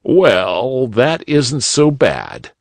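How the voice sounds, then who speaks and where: Jolly old gentleman rabbit for a storybook, kindly and warm-hearted, unhurried , read by a man, pitch swinging widely. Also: very animated, no echo, full character voice.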